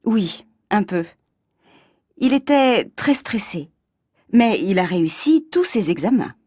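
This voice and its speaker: A woman from France performing everyday scenes in a scripted dialogue for learners, speaking clearly and expressively. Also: mid-range voice, lively intonation, slow, darkish tone, no room sound, clean studio sound.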